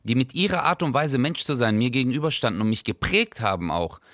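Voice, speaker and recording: A man's voice: medium pitch, big pitch swings, quick pace, a bit bright, no room sound, studio quality. A man chatting casually as a podcast guest, enthusiastic and rambling, with many fillers. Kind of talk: casual chat.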